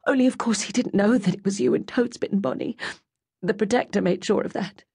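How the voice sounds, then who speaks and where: A woman's voice: mid-range voice, a little fast, gravelly, breathy edge, voice pushed up. Woman voicing a weeping, overjoyed mother. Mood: tearful, overwhelmed. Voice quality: breaking, trembling voice. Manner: hushed, urgent, emotional. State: crying. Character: tearful overjoyed mother, middle-aged woman. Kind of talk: audiobook character voice.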